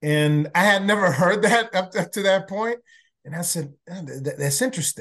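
A man's high-pitched voice at a moderate pace, with ordinary pitch variation, over a quiet background. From El Salvador. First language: Spanish. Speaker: organizational development consultant. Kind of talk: interview.

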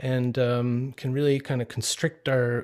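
An ordinary speaking voice from a man at medium pitch and a fairly slow pace, on a very clean recording with a silent background. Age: 40s. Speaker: yoga teacher and transformational coach. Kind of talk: casual interview.

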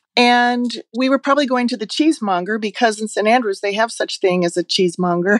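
With an American accent and a normal speaking voice, a woman talks at a fairly quick pace and fairly high pitch with ordinary pitch variation, recorded dry and close with no echo. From United States. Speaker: podcast listener, widow. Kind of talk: interview; reading aloud.

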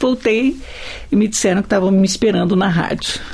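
A woman talks at a moderate pace. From São Paulo interior, Bragança Paulista. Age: 50s. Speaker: radio and TV presenter. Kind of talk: interview.

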